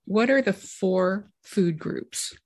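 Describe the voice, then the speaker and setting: Unhurried woman running a playful quiz. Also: mid-range voice, darkish tone. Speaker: podcast co-host running a trivia quiz. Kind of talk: casual chat.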